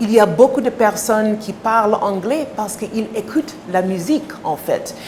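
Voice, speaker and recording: A fairly high woman's voice with an English accent and ordinary pitch variation, over noticeable background noise. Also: moderate pace. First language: English (speaking French). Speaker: ambassador. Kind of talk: answering audience questions at a public event. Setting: event with live audience. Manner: halting.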